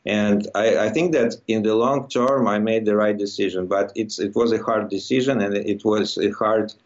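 Low-voiced Russian man, dull lo-fi recording. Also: fairly even intonation. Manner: halting, searching for words. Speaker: interview guest, immigrant to Quebec. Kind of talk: conversational personal account in an interview.

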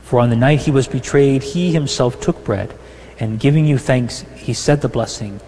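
A man celebrating Mass as a priest, reading set prayers in a measured, solemn way and chanting parts of them, with a long cathedral echo behind his voice. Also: medium pitch, warm tone. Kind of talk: liturgical prayer, partly chanted. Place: large church. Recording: long church reverb.

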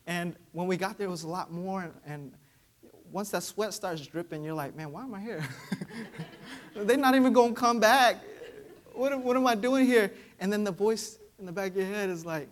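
A young male preacher whose first language is Vietnamese, speaking in a somewhat high voice. He preaches in a loose, conversational manner and keeps checking in with the listeners through tag questions. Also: normal speed. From Vietnamese American, raised in Georgia. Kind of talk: sermon.

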